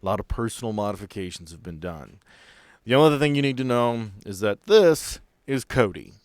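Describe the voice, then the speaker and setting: A man acts out a gruff helicopter pilot for a tabletop game. He is bossy yet fond, tossing out brisk orders and banter in a lowish voice with a close, dry sound. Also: expressive, no echo, lightly acted. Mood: dry, welcoming.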